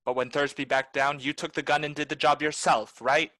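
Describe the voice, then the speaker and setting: A man's voice: a little high, flat delivery, brisk, bright, forceful tone, dry recording. A man playing a cynical, blunt private detective in the manner of 1940s noir radio drama. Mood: accusing. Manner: blunt, accusing, tough. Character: hard-boiled, cynical male private detective.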